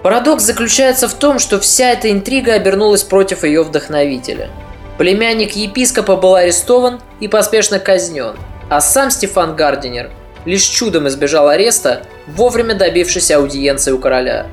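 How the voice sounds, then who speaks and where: A woman narrating a history podcast in a measured, reflective storytelling manner. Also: medium pitch, expressive, faint music behind.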